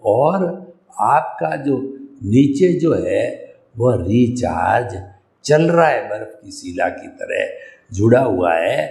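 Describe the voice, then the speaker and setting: A man giving a slow, deliberate spiritual lecture, explaining ideas step by step and mixing in English words. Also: medium pitch, vocal fry, darkish tone, roomy sound. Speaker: spiritual teacher.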